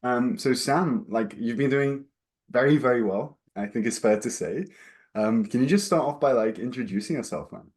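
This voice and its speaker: A man hosts a relaxed interview in a chatty, friendly way. He asks loose questions full of fillers and drops casual swear words. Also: medium pitch, normal speed. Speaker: interview host.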